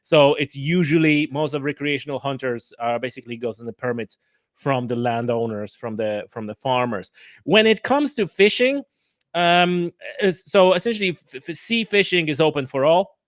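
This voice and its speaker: A man from Poland with a Polish accent, explaining things haltingly as a guest in a casual interview. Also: fairly high pitch, lively intonation, dry recording, clean studio sound. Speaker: podcast guest.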